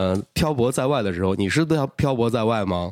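An ordinary speaking voice, a man's at medium pitch, carries lively intonation. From Henan. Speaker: podcast co-host. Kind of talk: casual chat.

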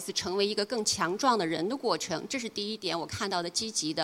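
Her lively intonation and fairly high pitch come through in an ordinary speaking voice, this woman's delivery. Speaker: school principal and educator. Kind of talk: panel discussion.

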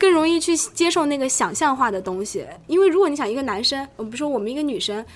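Noticeable background noise sits behind a woman with a high voice who talks very fast, her pitch swinging very widely. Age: young. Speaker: film podcast co-host. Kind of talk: casual chat.

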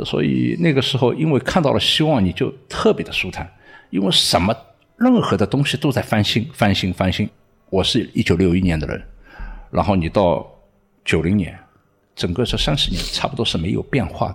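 A man with a fairly low voice speaks at a moderate pace, somewhat breathy, his pitch swinging very widely, with long, frequent pauses. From Shanghai, China. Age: 60s. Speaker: artist and photographer. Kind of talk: casual interview chat.

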